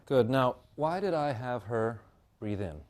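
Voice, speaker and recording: A man teaching a hands-on bodywork class, explaining each step calmly and guiding his client's breathing slowly. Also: medium pitch. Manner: calm, measured explanation with slow guiding instructions. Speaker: bodywork instructor.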